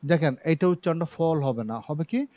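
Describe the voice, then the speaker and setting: A middle-aged man with a Chittagong Bengali accent, teaching an online English pronunciation class from his own studio, explaining slowly and having students repeat words. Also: on the high side, expressive, no echo. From Bangladesh.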